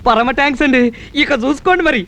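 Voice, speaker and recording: An actor playing a bumbling, overly polite young tailor in comic film dialogue. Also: male voice, very high voice, fairly quick, over loud music. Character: bumbling young male tailor, pestering and cheeky.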